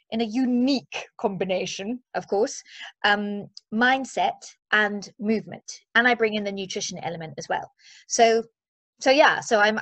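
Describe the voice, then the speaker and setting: A woman's voice: medium pitch, a bit bright. A woman in her forties from Zimbabwe speaks with a mid-range voice in a dry, echo-free sound. She is a chatty, playful coach talking casually as an interview guest. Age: 40s.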